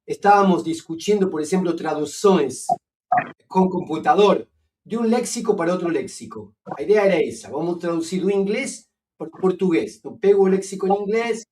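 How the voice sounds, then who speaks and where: A man with an Argentine Spanish accent speaking Portuguese as a philosopher guest, explaining ideas slowly with many fillers and restarts. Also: sits high, lively intonation, distant mic, noisy background. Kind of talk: academic conversation.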